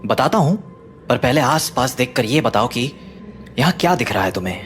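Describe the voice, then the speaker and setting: A man's voice: medium pitch, moderate pace, faint music behind, natural voice. A man playing a grave grieving father. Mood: solemn. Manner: solemn, explaining calmly. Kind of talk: audio drama acting.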